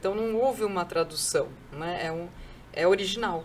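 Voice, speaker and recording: A woman's fairly quick delivery carries ordinary pitch variation. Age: 40s. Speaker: actress and voice actor. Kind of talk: interview. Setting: studio.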